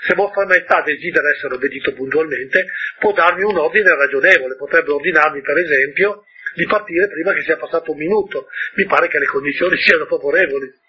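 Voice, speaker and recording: A gentle, curious little boy prince, put on by a man reading aloud. The voice is very husky and pitched somewhat high. The recording is dull and lo-fi. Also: a little fast. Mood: earnest.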